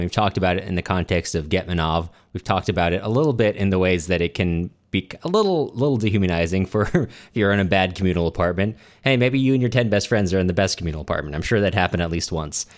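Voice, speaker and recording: A man's voice: sits low, expressive, quick pace. A man hosting a podcast, talking through literature in a casual, conversational way. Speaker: podcast host.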